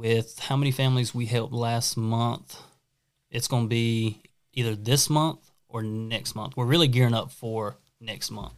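A man's medium-pitched, monotone, flat voice at a moderate pace, in a strong eastern North Carolina accent. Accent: Southern US, eastern North Carolina, strong. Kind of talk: casual chat. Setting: studio.

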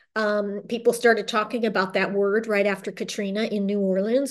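A woman with a Californian accent talks at a fairly quick pace and fairly high pitch, her intonation fairly even. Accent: Californian American English. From Southern California, Orange County. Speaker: author and former journalist. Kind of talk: interview.

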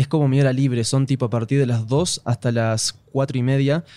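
Here a man talks at medium pitch with fairly even intonation and a dark, mellow tone. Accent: Uruguayan. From Uruguay. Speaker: YouTuber. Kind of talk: casual chat.

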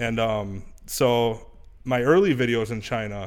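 The background is silent on this very clean recording. An American accent comes through. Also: man. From United States. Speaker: YouTuber. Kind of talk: casual chat. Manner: animated.

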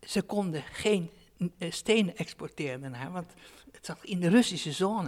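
A woman talks at a fairly slow pace with lively intonation. The recording is very clean, with a silent background. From Netherlands, Amsterdam. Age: 80s+. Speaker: interviewee. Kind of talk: interview.

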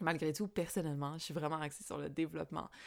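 A woman with a Quebec accent speaks in an animated tone. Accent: Québécois French. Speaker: podcast host and astrology consultant. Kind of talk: casual monologue.

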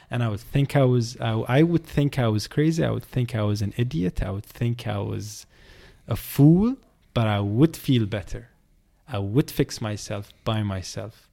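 A man with an Arabic accent speaks in a dark, mellow tone in a very clean recording with a silent background. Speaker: fitness coach. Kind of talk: interview conversation.

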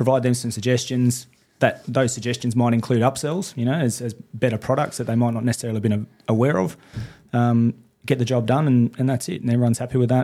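A man at a very fast pace, dark and mellow in tone, with fairly even intonation, on a very clean recording with a silent background. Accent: Australian. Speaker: podcast host. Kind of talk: podcast interview.

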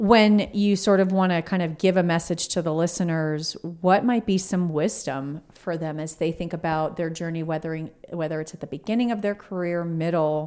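An ordinary speaking voice, fairly even in intonation, at a moderate pace. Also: woman. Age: 40s. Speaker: podcast host. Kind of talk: interview conversation.

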